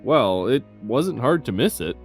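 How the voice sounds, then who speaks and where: Casting: older taxi driver man actor, stern yet courteous, reproving, lively intonation, audio drama with faint music behind. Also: mid-range voice, unhurried. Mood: curious. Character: tired older male taxi driver, stern but polite. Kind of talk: fan audio drama acting.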